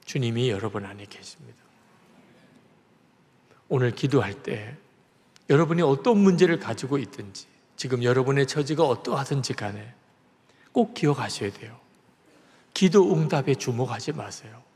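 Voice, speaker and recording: Male pastor, revival sermon, lively high voice, echoing sanctuary. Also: normal speed, pauses often. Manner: dramatic storytelling with sudden loud and soft swings. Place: large church sanctuary. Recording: echoey church hall reverb.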